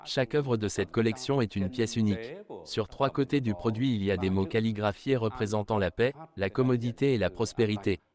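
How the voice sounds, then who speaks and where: Male dub voice, lowish pitch, plain measured read. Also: a little mellow. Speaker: voice-over translator for an interviewee. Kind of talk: dubbed news voice-over.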